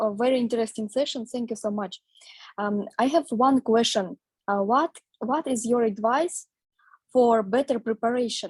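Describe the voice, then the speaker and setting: With a Russian accent, a woman talks at a moderate pace in a fairly high pitch with ordinary pitch variation, the sound dry and close with no echo. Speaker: workshop attendee. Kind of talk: audience question. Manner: halting.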